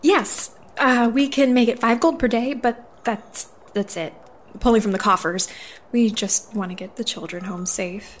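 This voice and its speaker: A woman's voice: a little high, measured pace, a little hiss or hum, natural voice. A woman playing an earnest, prickly dwarven paladin in an audio drama, speaking in a firm, formal, businesslike way.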